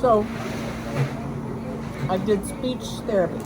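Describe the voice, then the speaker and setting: A woman's voice: medium pitch, takes it slowly. A middle-aged or older American woman telling stories about herself in a candid, plain-spoken, casual way as an interview guest. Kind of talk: casual conversational storytelling. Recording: loud outdoor street noise, vehicles.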